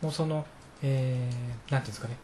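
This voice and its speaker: Halting male reporter with many fillers. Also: medium pitch, steady tone, dark tone, slight background noise. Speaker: guest reporter. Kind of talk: recounting field reporting in conversation.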